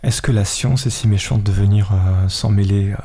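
Male radio host, lowish pitch, warm mellow tone, frequent euh fillers. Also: fairly even intonation. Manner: fills pauses with euh. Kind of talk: hosting an interview.

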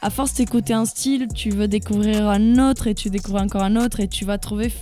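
A young woman chats casually as a guest on an interview show. Her voice sits at an ordinary pitch with a soft, mellow tone. She talks in a halting way, often pausing to search for her words. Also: fairly even intonation, faint music behind. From Portugal. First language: Portuguese. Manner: hesitant, many fillers. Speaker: guest beatboxer.

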